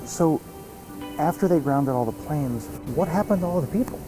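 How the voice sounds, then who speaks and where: Male host, somewhat high voice, asking interview questions, music underneath. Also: animated, moderate pace, rough recording. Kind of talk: interviewing a guest.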